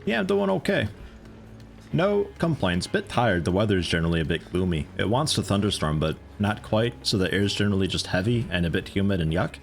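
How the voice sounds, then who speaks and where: A man's voice: low-pitched, sing-song, brisk, creaky, faint music behind. A man in his thirties giving rambling, casual commentary while livestreaming a game, swearing now and then. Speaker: gaming livestreamer.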